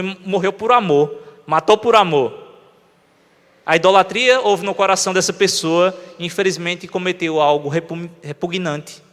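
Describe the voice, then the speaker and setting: The voice is a man's, high-pitched and fairly bright, with a Brazilian Portuguese accent. He's a Brazilian preacher giving a conversational sermon in a church hall, regularly asking the congregation questions. The hall's long reverb fills the recording.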